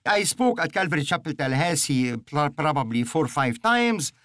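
A man's voice: on the high side, sing-song, moderate pace, fairly bright tone, no echo, clean studio sound. A middle-aged man from Egypt, hosting a religious radio teaching program in an earnest, emphatic, preacherly way.

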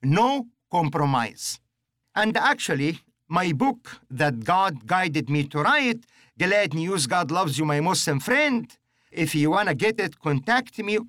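A middle-aged man speaks on a religious teaching broadcast, earnest and emphatic like a preacher. His voice sits a little high for a man. The sound is close and dry, with no room around it. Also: big pitch swings, slow pace, fairly bright tone, no echo. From Egypt. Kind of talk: religious radio teaching program.

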